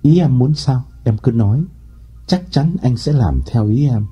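A man's voice: mid-range voice, sing-song, normal speed, husky, lo-fi sound, faint music behind. A man voicing an unfaithful lover who sweet-talks eagerly and stumbles over his words. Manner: eager, stammering sweet-talk. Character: smooth-talking unfaithful man, eager and flustered.

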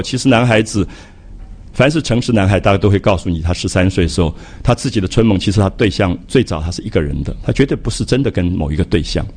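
Husky older man giving a reflective lecture. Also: on the low side, darkish tone. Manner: reflective, conversational, with frequent "ah" fillers and repetitions. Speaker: lecturer on classical literature. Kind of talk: public lecture to a live audience.

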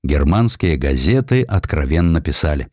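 A man reading a historical narrative as an audiobook narrator, in a measured, deliberate and dramatic way with weighty pauses. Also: extremely low pitch, sing-song, a little mellow, no room sound, clean studio sound.

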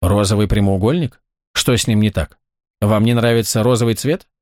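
A man reading a sharp-tongued woman buyer. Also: fairly low pitch, dry recording, clean studio sound, lightly acted. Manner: challenging, quick to irritation.

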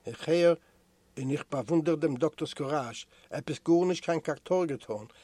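A man reading a first-person memoir aloud as an audiobook narrator, with a measured, storytelling delivery. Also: on the high side, warm tone, no echo.

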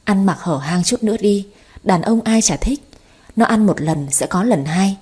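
A woman's voice: mid-range voice, animated, moderate pace, darkish tone, slightly rough. A woman voicing a blunt, worldly older mother who coaxes and schemes, read in an audio story. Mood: coaxing. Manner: blunt, coaxing.

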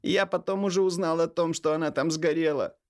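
A man's voice: fairly high pitch, steady tone, brisk, pitched above the performer's own voice, lightly acted. A man voicing a cowardly, terrified younger brother in his late twenties who whines and pleads in a trembling voice. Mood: pleading, terrified. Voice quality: whiny, trembling. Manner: pleading and whimpering. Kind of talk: audiobook character voice.

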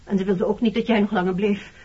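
An actress plays a married woman in a Dutch radio drama, wounded and reproachful. Her voice is husky and mellow, confiding and pointed in its questions. The recording is dull, like an old broadcast. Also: mid-range voice, steady tone, fast talker, close to an everyday voice. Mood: pressing, reproachful. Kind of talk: Dutch radio play acting.

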